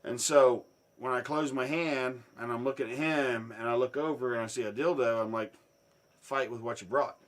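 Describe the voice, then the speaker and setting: A man telling a swear-filled story in a casual chat, dropping low and then bursting into loud shouts. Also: moderate pace. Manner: profane, animated, swings from hushed to shouting.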